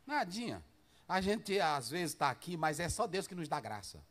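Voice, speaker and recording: A pastor preaching to pastors, swinging between loud shouted passages and low asides and firing rhetorical questions at the listeners. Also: male voice, very animated, normal speed. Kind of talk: Pentecostal-style preaching to pastors.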